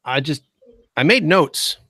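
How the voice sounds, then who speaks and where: A man's voice: on the high side, expressive, takes it slowly, bright, forceful tone, no room sound, clean studio sound. A man as guest host of a podcast, gushing with enthusiastic fan praise in casual chat.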